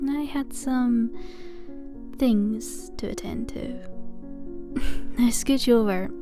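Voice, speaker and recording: A woman playing a possessive, lovesick asylum inmate in an ASMR roleplay, cooing endearments with breathy sighs and a sweetly menacing edge. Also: on the high side, very slow, music in the background. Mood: teasing, doting, controlling. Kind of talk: ASMR roleplay, intimate scripted monologue.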